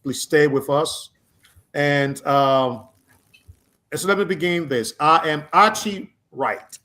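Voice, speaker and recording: A male co-host introduces his panel on a live talk show. His voice sits fairly high, and his manner is genial, with a bit of light teasing. He speaks in an easy hosting style. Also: slow pace, sharp tone.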